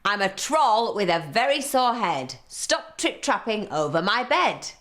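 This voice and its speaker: Woman playing a grumpy, sleep-starved storybook troll, pitched up. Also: sing-song, a little slow, a bit bright. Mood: grumpy, menacing. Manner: threatening, rhyming declarations.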